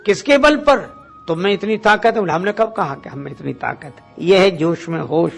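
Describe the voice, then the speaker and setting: High-pitched male Hindu preacher. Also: expressive, moderate pace, gravelly, faint music behind. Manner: rhetorical questions, dramatized dialogue, recited verses. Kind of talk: devotional discourse retelling Ramayana episodes.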